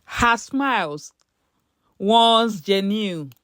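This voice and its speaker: A woman narrating a scripted story in a measured, dramatic storytelling manner. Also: mid-range voice, expressive, fairly bright tone, no room sound, studio quality.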